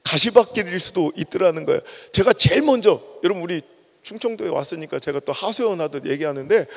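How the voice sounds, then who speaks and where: A man's voice: high-pitched, fast talker, gravelly, in a large hall. A male pastor from Chungcheong preaching with a Chungcheong accent, telling stories animatedly and acting out the dialogue. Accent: Chungcheong Korean. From Chungcheong, Korea. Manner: animated storytelling with acted-out dialogue. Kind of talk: sermon. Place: church sanctuary.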